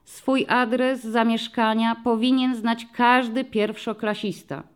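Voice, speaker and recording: A woman voicing a patient, friendly male police commissioner who explains things slowly to young children in an audiobook story. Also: fairly high pitch, level tone, clear, resonant tone, voice pushed up. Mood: explaining.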